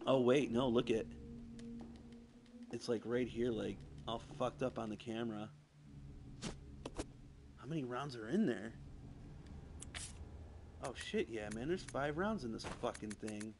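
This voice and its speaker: A gameplay streamer with a mid-range voice rambles through casual let's-play commentary at an unhurried pace, leaving long pauses. His talk is crude, packed with "like" and swearing. He's on a PS4 streaming mic, and the home stream audio is noisy.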